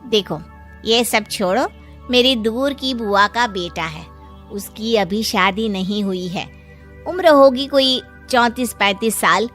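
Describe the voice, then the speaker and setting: A woman's voice: on the high side, slow pace, fairly bright tone, faint music behind. Pushy middle-aged matchmaking aunt, voiced by a woman; busybody manner.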